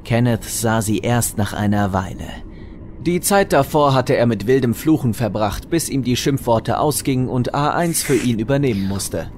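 A man's voice: mid-range voice, animated, normal speed, slight background noise. A man narrating a scripted comic audio drama with wry storytelling. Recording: loud music under narration.

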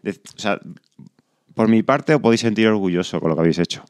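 Dad on a podcast, low smooth voice, earnest and supportive. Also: male voice, animated, quick pace, no room sound. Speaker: podcast guest, father. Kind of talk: podcast conversation.

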